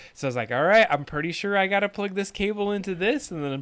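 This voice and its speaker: Loud and shouting, a man with a high pitch and lively intonation speaks at a very fast pace. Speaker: livestream co-host. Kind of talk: casual chat. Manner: loud, yelling.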